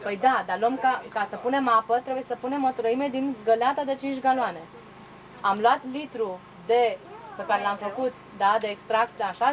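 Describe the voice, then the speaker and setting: A woman's voice: on the high side, low-quality recording. A woman interpreting a seminar aloud, hesitating and restarting as she translates. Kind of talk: consecutive interpreting.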